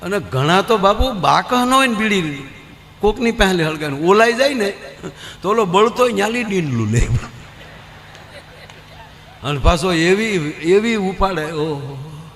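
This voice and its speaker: High, bright-voiced stage comedian. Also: male voice, measured pace, long pauses, long reverb tail, a little hiss or hum. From Gujarat. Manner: animated storyteller acting out voices in the jokes. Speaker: folk comedian. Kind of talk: Gujarati dayro stage comedy storytelling. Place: live stage show before an audience.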